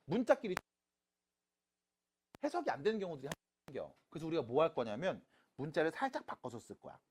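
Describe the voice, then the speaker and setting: A math teacher lecturing high school students in a playful way, asking questions and answering them, with silly sound effects while writing. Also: huge pitch swings, a little fast, a little mellow, breathy edge. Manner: talks students through writing on a board.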